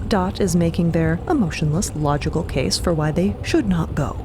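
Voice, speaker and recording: A woman's voice: lowish voice, moderate pace, noisy background. A woman delivering dramatic scripted narration for a fiction podcast.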